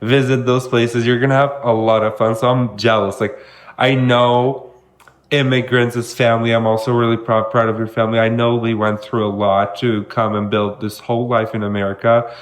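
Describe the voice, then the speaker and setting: A man's voice: mid-range voice, flat delivery, moderate pace. Rambling young man from Kosovo. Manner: friendly, rambling, heavy on like. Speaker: podcast co-host. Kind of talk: casual chat.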